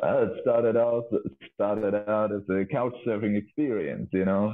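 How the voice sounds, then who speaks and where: This man speaks with a German accent and a fairly low pitch. His intonation is fairly even and his pace moderate. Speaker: voice actor. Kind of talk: interview.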